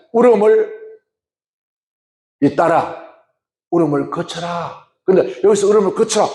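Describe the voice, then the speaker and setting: A male pastor preaching a sermon, often questioning the congregation. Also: high voice. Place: church. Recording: echoey church hall.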